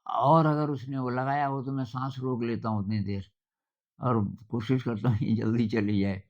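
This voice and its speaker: An older man giving an informal talk, speaking in a conversational, anecdotal way with thoughtful pauses. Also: medium pitch, steady tone, a little mellow, highs cut off.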